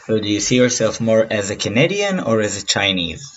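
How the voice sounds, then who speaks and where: A man hosts a podcast and interviews his student in a friendly way. His voice sits a little low, and the sound is dull and lo-fi. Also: very animated, fairly quick, fairly bright tone, slight background noise. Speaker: podcast host and Hebrew teacher.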